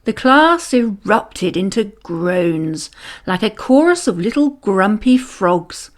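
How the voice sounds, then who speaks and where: A woman reading a children's story aloud with dramatic, expressive narration. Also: mid-range voice. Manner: animated, dramatic, deliberate storytelling.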